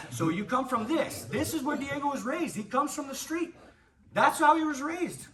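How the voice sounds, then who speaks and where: A man giving an animated, emphatic black belt ceremony speech to his martial arts class, swearing freely. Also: extremely high pitch, unhurried. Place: martial arts gym, indoors. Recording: distant voice with faint room noise.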